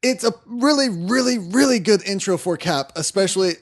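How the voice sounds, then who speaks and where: A man's voice: high voice, expressive, moderate pace. A man co-hosting a podcast, chatting casually like an enthusiastic fan. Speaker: podcast co-host.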